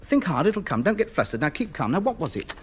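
A pompous windbag. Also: male voice, fairly high pitch, big pitch swings, fast talker, slightly rough. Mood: impatient. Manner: grandiose, lecturing, indignant. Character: pompous, self-important man who puts on airs. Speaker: lead character. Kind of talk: 1950s radio sitcom acting. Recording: scratchy old radio broadcast.

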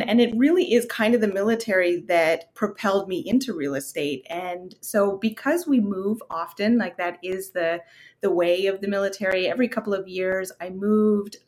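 A woman from Canada in her thirties, a guest on an interview, telling her career story in a casual, open way with fillers. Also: on the low side. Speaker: guest, real estate investor.

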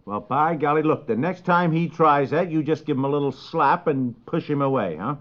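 A man's voice: a little high, moderate pace, close to an everyday voice. Man acting fussy 1950s radio dad, muffled recording. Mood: suspicious, grudging. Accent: American. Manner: stammering, sputtering. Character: fussy, overprotective suburban husband and worried father.

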